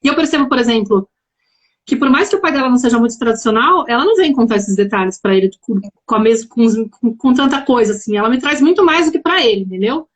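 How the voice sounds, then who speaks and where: A woman's voice: on the high side, fast. A woman in her thirties, a mother and guest on a live video chat, speaking earnestly and acting out talks with her daughter. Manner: earnest, animated, acts out dialogues with her daughter. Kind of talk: live conversation.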